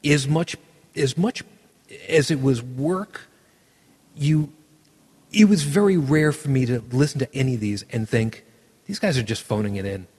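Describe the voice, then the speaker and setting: A man hosting a casual podcast chat, lively, often acting out quoted lines in other voices. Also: medium pitch, a little slow, pauses often, slightly rough, in a large hall. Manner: animated, acts out quoted lines in shifted voices. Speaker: podcast host.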